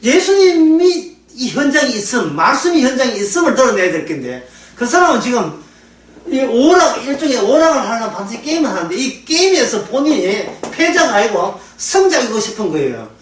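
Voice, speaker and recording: A man's voice: extremely high pitch, sing-song, brisk. A man preaching a conversational sermon who laughs often and acts out prayers as he teaches. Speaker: pastor. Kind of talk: sermon lecture. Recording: echoey room, voice from far off the mic.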